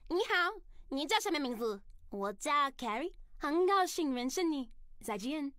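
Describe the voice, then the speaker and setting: A woman's voice: high voice, expressive, moderate pace, sharp tone, no echo, studio quality. A woman who works as a voice actor, speaking for a voice-over demo reel.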